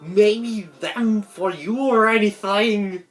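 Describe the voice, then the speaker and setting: A woman voicing a proud, prickly, easily flustered schoolgirl, loud and defensive with drawn-out, stammered words. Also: mid-range voice, faint music behind, voice pushed up, lightly acted.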